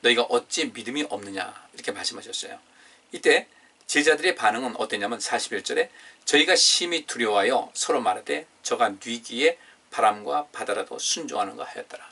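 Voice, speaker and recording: A man's voice: mid-range voice, animated, fairly quick, creaky, bright, forceful tone, breathy edge. A man pastor preaching a Friday prayer meeting sermon in a conversational way, reading scripture aloud and asking the congregation questions. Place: church. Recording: distant, room-miked sermon recording.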